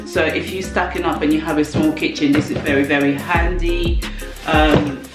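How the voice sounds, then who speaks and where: A woman vlogging an unboxing, joking and exasperated, talking in long, drawn-out stretches. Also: sits low, fairly even intonation, over music. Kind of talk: casual unboxing chat. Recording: very roomy, from a distance.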